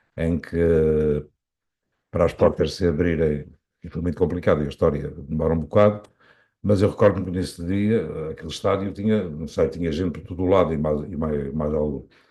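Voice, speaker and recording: A man's very deep, low voice with a dark, mellow tone and fairly even intonation, fairly quick in pace yet marked by long, frequent pauses, over a quiet background. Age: 70s. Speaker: veteran radio broadcaster and journalist. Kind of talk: casual chat. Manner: halting.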